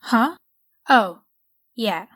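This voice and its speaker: Slow, wry, higher-voiced woman, acted. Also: animated, fairly bright tone, heavily acted.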